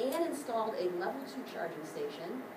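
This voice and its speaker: Loud background noise accompanies a woman speaking at a very fast pace. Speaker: conference presenter. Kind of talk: conference presentation. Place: hall.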